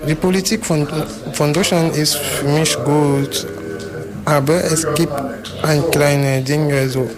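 Man, from Cameroon, slow, monotone, non-native German, crowd behind. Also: on the high side, low-quality recording. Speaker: trainee applicant. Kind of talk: interview statement.

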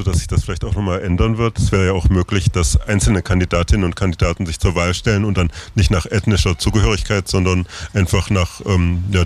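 A man interviewing guests on location, asking fluent, brisk questions. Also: low voice, darkish tone. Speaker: radio interviewer at a summer festival.

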